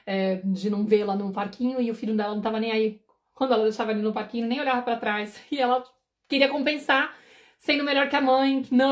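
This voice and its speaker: A woman in her forties, a parenting mentor, giving a casual live talk, fast and conversational, often checking "understood?" and acting out anxious inner thoughts. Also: fairly high pitch. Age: 40s.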